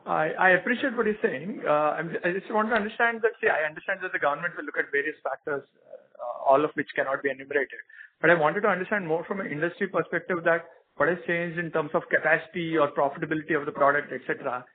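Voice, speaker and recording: Higher-voiced man on a tinny phone line. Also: fast talker. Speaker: analyst caller asking questions. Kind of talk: earnings call question.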